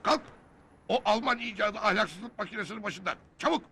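A man's voice: high voice, a little fast, pushed and bright, slight background noise. A middle-aged man playing a stern, old-fashioned father who scolds the boys in a sitcom. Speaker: Davut Usta, stern father and uncle. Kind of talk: TV sitcom acting. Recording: TV episode with music underneath.

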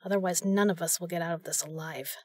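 Woman as tough female agent, protective, blunt, matter-of-fact, lowish voice, dry close sound, audio drama. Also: fairly even intonation, fast talker, darkish tone, no room sound, lightly acted. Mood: worried, apologetic.

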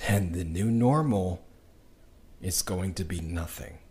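A man's voice: sits low, slow pace, darkish tone. A man playing a bitter, despairing character in an audio drama, ranting with sweary passion. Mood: bitter, hopeless. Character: bitter, despairing young man raging at a doomed world.

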